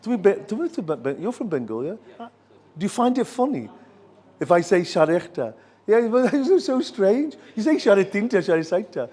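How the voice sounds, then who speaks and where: A man's voice: high-pitched, sing-song, racing, darkish tone. An older man with an English accent, giving a chatty, joking talk to students and slipping between English and Bengali. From England. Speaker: visiting education counselor and professor.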